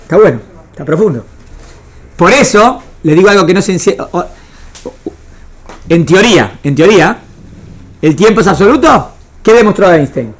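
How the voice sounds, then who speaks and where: A woman's voice: lowish voice, expressive, moderate pace, pauses often. A woman with an Argentine Spanish accent teaching a small class, repeating phrases and often asking if it is understood. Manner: didactic, checking understanding with frequent questions. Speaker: religion teacher. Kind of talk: interactive lecture to a small class.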